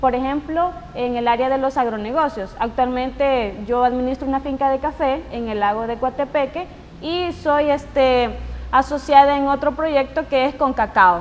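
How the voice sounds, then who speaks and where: Against noticeable background noise, a woman speaks at a moderate pace in a high-pitched voice. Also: ordinary pitch variation. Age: 20s. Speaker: political candidate. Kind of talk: interview.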